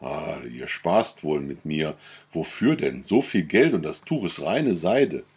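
A man's voice: very deep voice, big pitch swings, slow pace, darkish tone, breathy edge, heavily acted. A man voicing a proud, moody young village woman in a storybook reading, with eager questions.

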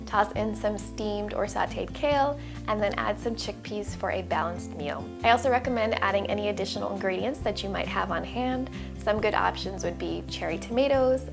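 A woman in her thirties, a cooking channel host, narrating a recipe voice-over with clear step-by-step instructions. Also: mid-range voice.

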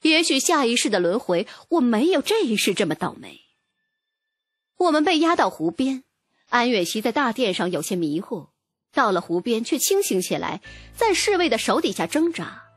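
A woman giving an expressive, dramatic first-person audiobook narration. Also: a little high, moderate pace, slightly rough, dry recording, faint music behind.

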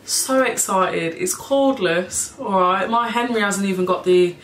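A woman's voice: mid-range voice, measured pace. Chatty woman with a froggy throat. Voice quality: a bit hoarse, froggy throat. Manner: chatty, rambling, swears casually, laughs often. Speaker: cleaning vlogger. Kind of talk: casual chat to camera. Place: home kitchen, indoors. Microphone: camera in front of her at table height. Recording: echoey kitchen with background noise.

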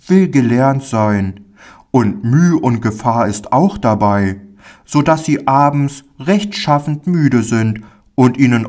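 A man doing a gentle kindly stranger. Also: medium pitch, natural voice. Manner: gentle, warmly admonishing. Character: friendly kind older man.

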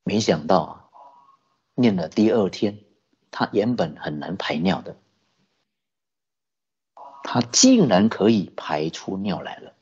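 Animated, husky-voiced Buddhist preacher. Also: low-pitched, slow pace, pauses often, highs cut off. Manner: animated, many rhetorical questions to the audience. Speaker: Buddhist dharma teacher. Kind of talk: storytelling sermon.

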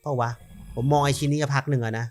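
A man's voice: mid-range voice, steady tone, very fast. A man hosting a gaming channel, chatting straight to his viewers in casual commentary as he plays a horror game. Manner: chatty, talks straight to viewers while playing.

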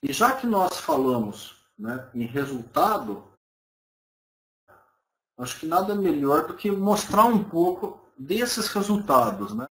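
A man's voice: a little high, very animated, slow pace, a bit bright. A man in his thirties giving an online lecture from a small room, talking casually and often checking in with his listeners. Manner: conversational, frequent tag questions, hedged personal opinion. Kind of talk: live webcam lecture answering viewer questions. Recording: roomy webcam audio.

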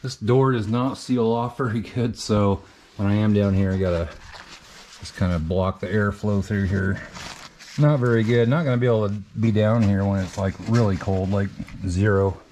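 A warm, low-leaning male voice at normal speed, with slight background noise. The speaker, a middle-aged farm shop owner and vlogger from central Iowa, rambles plainly through a walk-around update of his farmyard in winter, and also inside a shop, filmed on an action camera.

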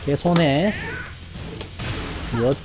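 A woman streaming her own fighting game match, calling the play and breaking into loud cries and laughs. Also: sits low, drawn-out words. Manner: reads viewer chat aloud. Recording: game music playing loudly behind.

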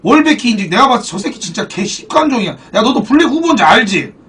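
With an extremely high pitch and quick delivery, a man far from the mic streams a football card game. He chats casually and animatedly with viewers, swearing in banter and thanking donors.

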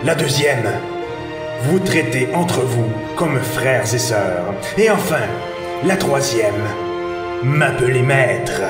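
An actor playing an authoritarian master in an audio drama, solemnly laying down rules with a commanding manner. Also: male voice, mid-range voice, animated, slow. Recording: echoey distant voice under loud music. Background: loud background music.

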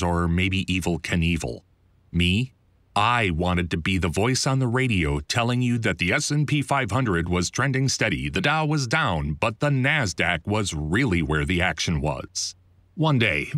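A middle-aged man with an American accent narrates an audiobook in the first person. His voice sits fairly low and moves with lively swings of intonation. He sounds wry and conversational, leaning on key words, in a close, dry studio recording. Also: no echo. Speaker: author reading his own audiobook.

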